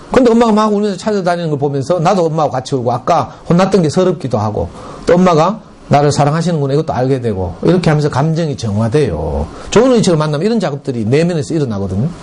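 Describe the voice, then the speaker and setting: Lively Gyeongsang-accented man lecturing parents. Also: on the high side. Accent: Gyeongsang Korean. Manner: lively storytelling with dialect and acted quotes. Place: school lecture room.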